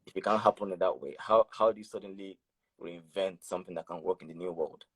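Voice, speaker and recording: A young man in his twenties with a very deep voice speaks in a casual chat with a friend. He talks deliberately and leans on his key words. The sound is dry and close. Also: husky, dry recording. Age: 20s. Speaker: PhD student guest. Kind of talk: casual conversation.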